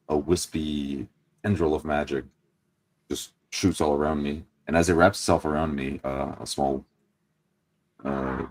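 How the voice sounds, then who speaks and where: Very deep-voiced man roleplaying. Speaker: tabletop game player. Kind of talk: improvised first-person roleplay narration.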